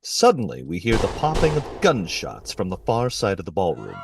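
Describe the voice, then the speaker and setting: A man's voice: low voice, huge pitch swings, moderate pace, creaky, slight background noise, full character voice. A man playing the narrator of an audio play, describing the action as scripted narration. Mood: descriptive.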